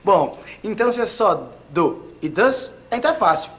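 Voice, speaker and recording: Chatty high-voiced young man in a sketch. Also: sing-song, moderate pace, a bit bright, a little hiss or hum. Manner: chatty, playful back-and-forth. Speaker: actor in an educational show. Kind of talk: scripted classroom sketch dialogue.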